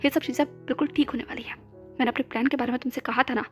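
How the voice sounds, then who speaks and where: A man's voice: very high voice, fairly even intonation, racing, a bit bright, faint music behind. A woman voicing a lovestruck young male CEO who pleads and hurries his words. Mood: insistent.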